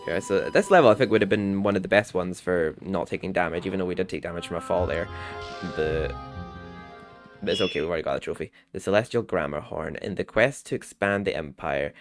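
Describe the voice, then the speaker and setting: A man's voice: low-pitched, fast talker. A young man giving casual let's-play commentary as a YouTuber, rambling and chuckling often. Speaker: gaming YouTuber. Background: game music.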